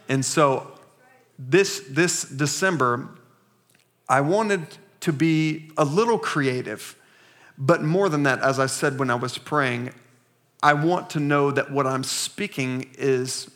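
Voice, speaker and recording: A man in his thirties, a pastor giving a sermon with slow, emphatic scripture reading and call-and-response to the congregation. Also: mid-range voice, fairly bright tone. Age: 30s.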